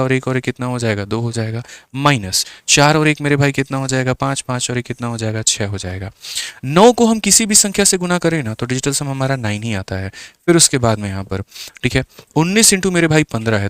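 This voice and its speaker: A man's voice: mid-range voice, a bit bright, clean tone, no echo, clean studio sound. A man teaching exam-prep maths, explaining step by step and asking the class questions as he works through each answer. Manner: keeps addressing the viewer as "my brother".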